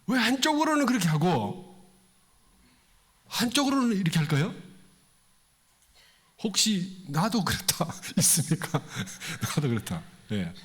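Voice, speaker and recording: A man preaching a sermon to a congregation in a temple hall, in a conversational way, asking his listeners questions and acting out the voices he quotes. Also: slightly rough. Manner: acts out quoted voices with big pitch swings. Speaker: pastor.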